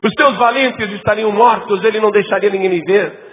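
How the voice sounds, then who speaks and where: Pastor putting on a stern general scolding the king, high-pitched and heated, tinny echoey hall. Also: brisk, lightly acted. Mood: indignant. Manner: indignant, rising reproach.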